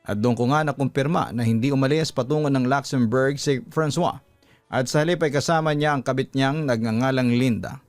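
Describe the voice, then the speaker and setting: A man's voice: medium pitch, fairly quick. A man with a Filipino accent narrating a scripted story in a dramatic radio storytelling style. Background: background music.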